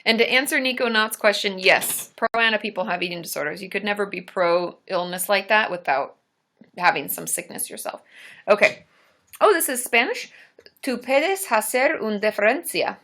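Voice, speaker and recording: A woman's voice: mid-range voice, lively intonation, normal speed, bright, forceful tone. A woman therapist hosting a live Q&A stream, chatting casually, laughing often and poking fun at herself.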